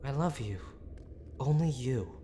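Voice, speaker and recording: Audio roleplay boyfriend, male actor: young, mid-pitched, unhurried, gruff yet tender, anxious and pleading, faint storm noise behind. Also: expressive, mellow, lightly acted. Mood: tender, confessing. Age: young adult. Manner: halting, pleading, with sighs and breathy asides. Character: gruff, tender young boyfriend, a medical student, desperately worried. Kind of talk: intimate dramatic boyfriend roleplay.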